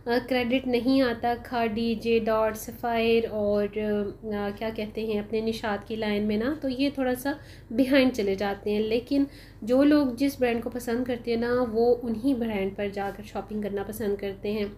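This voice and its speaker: Chatty woman with a mellow voice. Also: a little high, a little hiss or hum. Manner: chatty, unhurried, frequent "uh" fillers, addresses viewers as "janab" and "bhai". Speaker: shopping vlogger. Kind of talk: casual voice-over of a sale haul.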